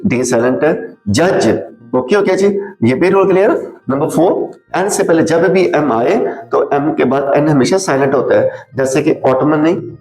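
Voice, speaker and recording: A man teaching a spoken lesson, saying each example word over and over so it sticks. He works through rules one by one and slows down for short English sample sentences. His voice rings a little in an echoey room, with faint music underneath. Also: on the high side, a little mellow. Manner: drills each word by repeating it several times.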